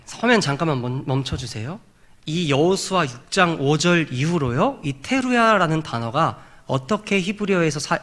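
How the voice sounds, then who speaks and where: A middle-aged male pastor preaching a sermon in a church sanctuary, building to raised, emphatic peaks. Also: fairly high pitch. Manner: acts out trumpet blasts and shouts.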